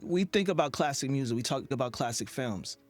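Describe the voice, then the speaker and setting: Male podcast host, average pitch, conversational and reflective interviewer, light music underneath. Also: animated, brisk.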